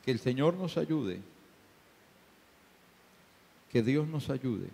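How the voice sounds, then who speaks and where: A male pastor preaching a sermon, asking the congregation rhetorical questions, swinging from hushed asides to shouted peaks. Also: mid-range voice, lively intonation, measured pace, gravelly. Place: church sanctuary. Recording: reverberant church hall.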